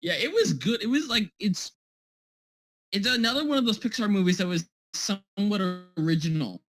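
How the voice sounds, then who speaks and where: A man's voice: sits high, animated, normal speed, no echo. Rambling joking man on a dry call. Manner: rambling, joking, often restarts and apologizes. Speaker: podcast co-host. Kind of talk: casual podcast chat.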